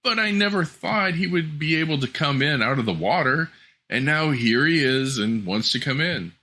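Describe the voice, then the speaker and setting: A man's voice: on the high side, lively intonation, normal speed, pushed and bright, voice pushed up. A man voicing a spoiled, dainty young princess in a fairy tale, plaintive and disdainful. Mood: anxious, plaintive.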